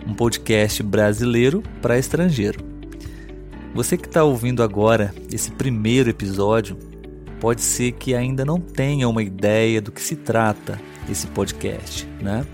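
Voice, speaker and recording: A man's voice: on the low side, darkish tone, soft background music. Friendly man in his thirties. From Brazil, Rio de Janeiro state. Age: 30s. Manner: clear, friendly, unhurried delivery for language learners. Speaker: podcast host. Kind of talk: scripted solo podcast monologue.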